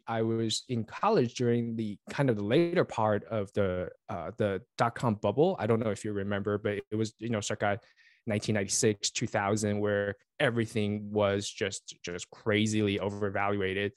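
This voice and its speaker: A Taiwan-born man in his forties, Chinese his first language, talks in a fairly low voice, friendly and rambling, full of fillers and restarts. The sound is dry and close, with no room around it. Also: normal speed, darkish tone, no echo. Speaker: guest, network engineer and author. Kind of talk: casual interview chat. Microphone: remote call.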